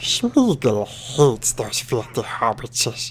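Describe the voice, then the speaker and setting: A put-on character voice at a low-to-middle pitch and fairly slow pace, over clear background noise. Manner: sinister, hateful.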